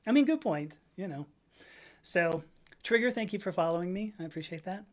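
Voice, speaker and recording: A woman's voice: fairly low pitch, expressive, a little fast. A woman in her fifties hosting a livestream, chatting casually in a rambling way, laughing often and reading out viewers' comments. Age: 50s. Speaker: livestream host.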